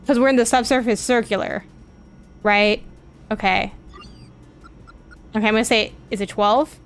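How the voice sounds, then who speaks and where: A woman's voice: fairly high pitch, steady tone, normal speed, clear, resonant tone, faint music behind. A woman streaming a game, chatting casually, thinking aloud and reading on-screen dialogue.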